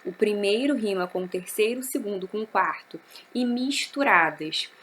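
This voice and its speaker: A woman's voice: medium pitch, animated, normal speed, fairly bright tone, slight background noise. A woman, teaching a recorded literature class and explaining step by step, asking and answering her own questions.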